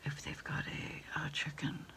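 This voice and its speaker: A middle-aged woman whispers her way through an ASMR phone roleplay. Her delivery is very slow and halting, with a crisp, sibilant brightness to the hushed voice. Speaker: ASMR roleplayer as takeout order taker. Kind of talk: ASMR roleplay, one side of a phone call. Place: small dim desk space indoors.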